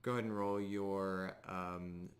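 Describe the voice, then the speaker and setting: A man narrating an improvised tabletop game as game master, hesitant and pausing between phrases. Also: low-pitched, flat delivery.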